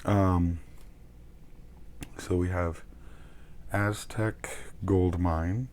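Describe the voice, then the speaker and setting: A young man losing his voice, chatting casually and haltingly about his cross-stitch projects from a small room at a webcam. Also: low-pitched, steady tone, darkish tone, slight background noise. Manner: rambling, many ums, halting. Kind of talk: casual chat showing crafts. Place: small bedroom with shelves of plush toys.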